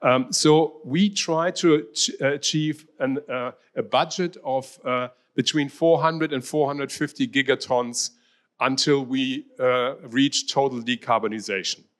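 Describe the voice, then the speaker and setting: A man in his fifties with a German accent, a university researcher presenting a talk with slides, filling pauses with many ums and restarting phrases. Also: medium pitch, fairly even intonation.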